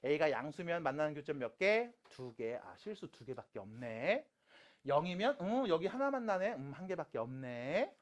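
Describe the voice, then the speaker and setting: Lively middle-aged man teaching math. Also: on the high side, moderate pace. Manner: lively, asks and answers own questions. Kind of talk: lecture.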